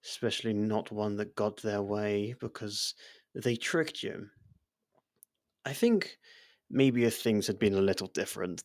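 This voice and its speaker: A man's voice: fairly low pitch, no echo, studio quality. A man playing a devoted, worried royal servant in an intimate fantasy roleplay, speaking formally and earnestly with careful deference.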